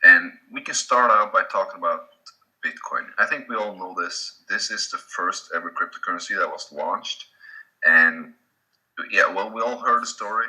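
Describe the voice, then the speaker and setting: A man with a Swedish accent, a native Swedish speaker, giving a casual slide presentation with halting restarts. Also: low voice, bright, forceful tone, rough recording. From Sweden.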